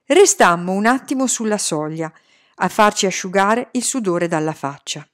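A woman reading a novel aloud in an expressive storytelling manner. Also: normal speed. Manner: expressive storytelling, lively pitch. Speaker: audiobook reader. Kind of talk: scripted narration of a novel.

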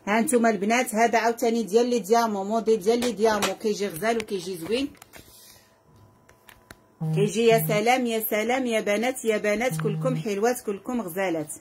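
A woman's voice: fairly high pitch, quick pace. A woman with a Moroccan Arabic accent hosting a live jewelry sale, effusive and repetitive, calling out prices and blessings to her viewers. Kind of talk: live sales pitch.

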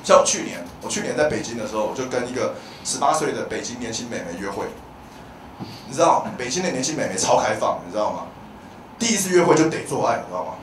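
A man in his thirties with a Taiwanese Mandarin accent doing a stand-up comedy set on a club stage, animated and given to loud shouted bits. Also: medium pitch, quick pace. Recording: echoey club sound from a distance, audience noise.

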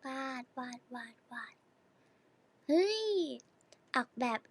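A woman's voice: slow, slight background noise. A teenage girl idol chatting casually on a live stream, giggling and reading fan comments while sore and sitting stiffly.

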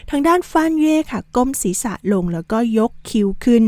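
A woman's voice: on the high side, very animated, brisk, a little mellow, no room sound. A woman casually retelling a novel as a show host, chatty, with friendly asides to her listeners. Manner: chatty, sprinkles polite particles and asides. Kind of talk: casual storytelling recap.

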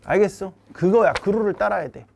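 Guy coaching dating, brash and sweary, high voice that jumps all over, talks super fast. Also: lively intonation, gravelly, a little mellow. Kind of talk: blunt coaching lecture.

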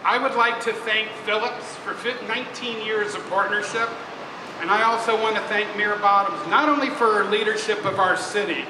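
A man's voice: high-pitched, moderate pace. An older man giving a formal speech at a podium mic, thanking partners. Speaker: press conference speaker. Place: arena stage at a podium. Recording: echoey hall, background noise.

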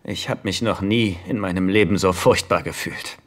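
A man's voice: deep voice, moderate pace, lightly acted. An actor in a German-dubbed sitcom playing a lovesick, naive rich man with a plaintive, boyish way of pleading. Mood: miserable. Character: lovesick, childlike wealthy man, whiny and naive. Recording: noisy TV soundtrack rip.

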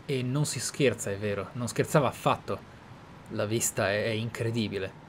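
A man's voice: lowish voice, moderate pace. A man with an Italian accent giving casual, musing, enthusiastic gameplay commentary as the host. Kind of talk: casual let's play commentary. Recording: clear background game ambience noise. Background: game ambience.

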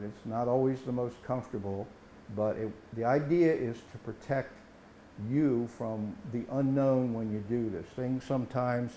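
Mellow-voiced older man, instructional. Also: medium pitch, slight background noise. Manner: plain-spoken, explanatory. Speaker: welding instructor. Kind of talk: instructional demonstration to camera. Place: indoor workshop set, standing before a tool board.

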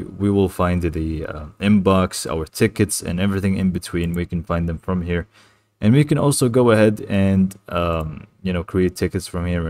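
A man with a low-pitched voice talks through a software tutorial in a casual, unscripted way. His delivery is hesitant and rambling, and the sound is dry, with little room around it. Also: dry recording. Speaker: tutorial presenter. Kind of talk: casual, improvised software walkthrough.

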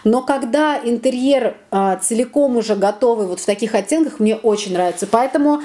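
A young woman chatting in a casual home vlog, lively and self-mocking, talking with her hands in a small bright room. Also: a little high, a little fast. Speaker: home vlogger.

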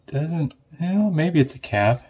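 A man giving casual, off-the-cuff narration of an electronics teardown, thinking aloud in a hesitant, low-key way. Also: very animated, slow, darkish tone, husky, lo-fi sound. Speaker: host of an electronics teardown video.

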